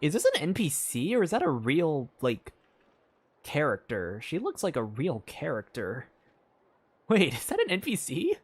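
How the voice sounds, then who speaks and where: A man's voice: on the high side, huge pitch swings, measured pace, breathy edge. A man streaming a story game, thinking aloud in a rambling way, with many fillers and restarts. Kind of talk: casual live game commentary.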